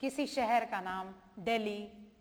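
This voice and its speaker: A woman teaching grammar in a video lesson, explaining patiently and reading examples slowly with exaggerated intonation. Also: mid-range voice. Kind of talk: classroom-style video lesson. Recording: long hall reverb.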